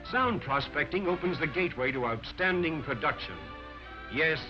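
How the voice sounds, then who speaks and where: A man narrating an old 1940s training film in a lively, sweeping voice that rises and falls. He lectures emphatically and counts off his points. The sound is dull and lo-fi, with faint music underneath. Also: on the high side.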